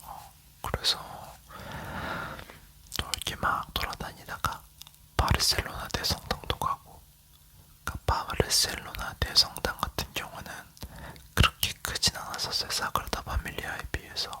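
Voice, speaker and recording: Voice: moderate pace, long pauses, bright, forceful tone. An ASMR creator from South Korea leaning in to whisper, chatting casually as they tell a travel story.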